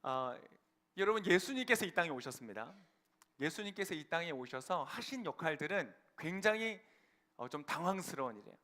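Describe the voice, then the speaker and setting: Young male pastor, high bright voice, emphatic sermon delivery with rhetorical questions. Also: animated, a little fast. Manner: emphatic, rising to fervent declarations; asks the congregation rhetorical questions.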